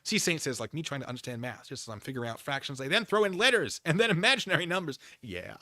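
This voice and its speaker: A male livestream host chats casually with viewers, theatrical and emphatic, debating with exasperation and leaning hard on his points. His bright voice swings widely around an average pitch, very animated and quick, in a dry recording space.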